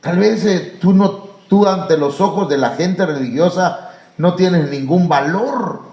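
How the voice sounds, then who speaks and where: A man with a Mexican Spanish accent preaching a sermon as pastor, pausing on fillers and rising to emphatic high calls. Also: darkish tone. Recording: echoey church room.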